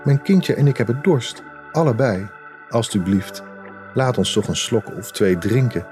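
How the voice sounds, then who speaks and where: A man's voice: medium pitch, big pitch swings, a little slow, dark tone, faint music behind, voice pushed up. A man voicing a desperate, thirsty young mother begging for water in a storybook tale. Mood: pleading. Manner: pleading, begging. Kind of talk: storybook character voice.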